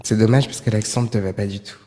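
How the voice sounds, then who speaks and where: A man's voice: lowish voice, fairly even intonation, quick pace, warm tone, a little hiss or hum. Sarcastic streamer man, echoey reverb. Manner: sarcastic, rambling, many fillers. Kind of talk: live reaction commentary.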